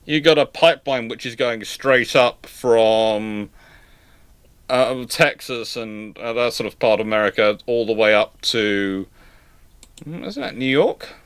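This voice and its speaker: A man's voice: mid-range voice, a little slow, fairly bright tone, smooth, no room sound. A man hosting an informal live history Q&A, hesitant and repeating words as he thinks, with dry, wry humour. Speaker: host answering audience questions.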